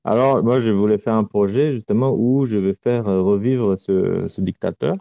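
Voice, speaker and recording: Deep-voiced man on a call. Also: gravelly, warm tone, no echo. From Romania. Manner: halting, searching for words. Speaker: artist guest. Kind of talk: casual interview talk. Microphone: remote call connection. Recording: dull lo-fi call audio, dry.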